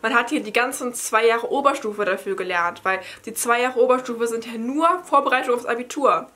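A young woman from Berlin speaks in a fairly high, bright voice. She explains things in a chatty, informal way, as a study-advice vlogger would when answering questions to camera at home. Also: brisk. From Berlin, Germany. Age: young adult. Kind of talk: casual Q&A chat to camera. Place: bright attic room at home.

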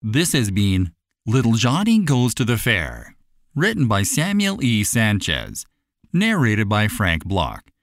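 A man narrating a scripted children's bedtime story in an animated storytelling manner. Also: fairly low pitch, takes it slowly, no room sound, clean studio sound. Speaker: audiobook narrator.

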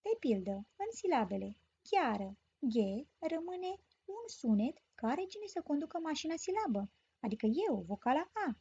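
A woman teaching a grammar lesson as a story, explaining clearly and patiently. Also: high voice, sing-song, warm tone. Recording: dull lo-fi recording.

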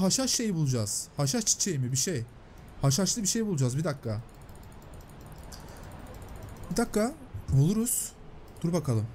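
Guy doing lets play commentary, bit high voice, chatty and excitable, faint noise behind. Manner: chatty, excitable, translating and paraphrasing on-screen lines. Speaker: gameplay commentator. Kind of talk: let's play commentary, reading game dialogue aloud.

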